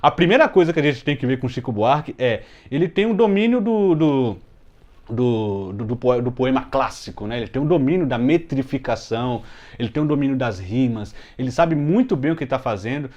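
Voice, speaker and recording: A man from Brazil teaching a casual music lesson at home, explaining step by step with frequent "né?" tags and slowing down to scan verses syllable by syllable. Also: mid-range voice, expressive, darkish tone, highs cut off. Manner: explains step by step, many "né?" tags, slow deliberate scanning of verses. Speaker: music teacher, channel host. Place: home room with closed window, children heard outside.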